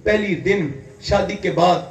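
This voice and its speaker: A man from India preaching an impassioned sermon, fervent and building to loud emphatic peaks. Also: high-pitched, vocal fry. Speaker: Islamic preacher. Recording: echoey hall, distant mic, faint ambience.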